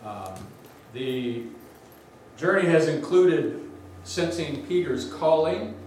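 Man, guest preacher, big voice, lively and conversational, slightly raised pitch, distant and very echoey sanctuary sound. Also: takes it slowly, a little hiss or hum. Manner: energetic, conversational preaching with asides. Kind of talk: sermon. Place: large church sanctuary.

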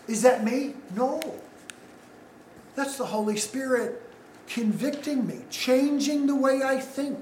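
A male pastor preaching a sermon, unhurried, putting questions to the congregation. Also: very high voice, roomy sound, slight background noise, low-quality recording.

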